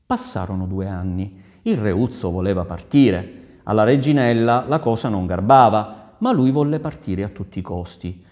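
A man reading a folk tale aloud in an animated, expressive way with dramatic pauses. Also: fairly low pitch. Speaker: storyteller.

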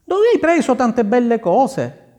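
A man's voice: very high voice, big pitch swings, unhurried, darkish tone, pitched above the performer's own voice, exaggerated voice. A man voicing scornful older sisters in a storybook tale, mocking and incredulous. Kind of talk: storybook reading.

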